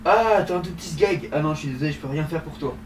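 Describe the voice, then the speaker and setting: A man's voice: on the high side, fast, close to an everyday voice. A man playing a casual, blunt genie of the lamp in a comedy skit, with offhand, conversational patter. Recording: roomy, distant, noisy home recording.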